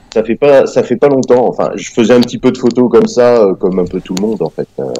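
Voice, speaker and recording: A man talking at a very fast pace, the sound dry and close with no echo. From France, Brittany. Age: 50s. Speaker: amateur wildlife photographer, course student. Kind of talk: interview. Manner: halting, many hesitations.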